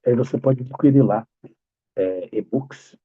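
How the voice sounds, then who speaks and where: A man with a Brazilian accent, a pastor praying softly and then speaking to his congregation about his books over a video call. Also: mid-range voice, a little slow, breathy edge, no room sound, narrow, tinny audio. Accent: Brazilian Portuguese. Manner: fervent soft-spoken prayer, then upbeat warm greeting. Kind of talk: prayer and sermon talk.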